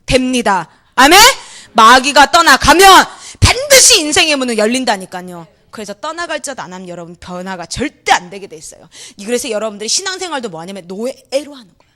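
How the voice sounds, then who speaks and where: A young adult woman preaching an energetic sermon in a church hall, acting out voices, shouting and laughing as she talks. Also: on the high side, fairly quick. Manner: animated, acts out quoted voices, shouts and laughs.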